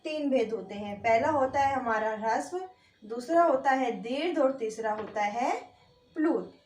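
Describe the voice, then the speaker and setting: A woman's voice: a little high, a little slow, darkish tone, reverberant, slight background noise. A woman teaching a grammar lesson. She asks questions and answers them herself, and she repeats each point patiently. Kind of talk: online Hindi grammar lesson.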